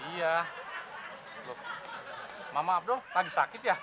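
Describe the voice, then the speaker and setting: A man's voice: high-pitched, animated, measured pace, a loud crowd, heavy background noise. A man playing a cheeky young loafer who makes wisecracks in Jakarta slang. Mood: joking. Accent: Jakarta Indonesian. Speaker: sketch comedy actor.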